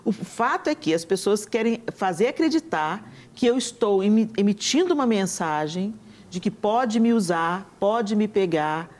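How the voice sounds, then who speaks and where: A woman's voice: medium pitch, moderate pace. A Brazilian woman on a talk show, speaking earnestly and quoting scripture as she tells stories. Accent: Brazilian Portuguese. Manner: earnest, quotes scripture, animated storytelling. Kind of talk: conversational preaching.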